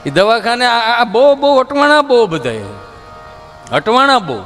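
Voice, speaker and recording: Male stand-up comic, Kathiawadi accent, high voice, folksy and chatty. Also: sing-song, a little slow, a bit bright, faint music behind. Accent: Kathiawadi Gujarati. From Gujarat, India. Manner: folksy, chatty, acts out characters. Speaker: stand-up comedian. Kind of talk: stand-up storytelling.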